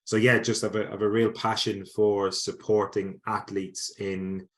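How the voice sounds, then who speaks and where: Irish man, relaxed and low-voiced. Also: unhurried. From Ireland. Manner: frequent restarts and repeated words. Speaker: sports psychology lecturer and guest. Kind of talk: casual conversational interview answers.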